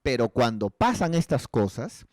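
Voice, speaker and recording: A man's voice: medium pitch, sing-song, measured pace, darkish tone, no room sound, studio quality. A male pastor giving pastoral counsel in a conversational sermon, earnestly asking rhetorical tag questions.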